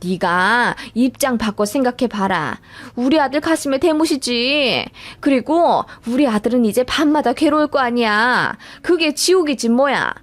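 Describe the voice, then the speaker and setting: A woman voicing a spiteful, overbearing older mother-in-law who lectures and accuses in a radio story. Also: sits high.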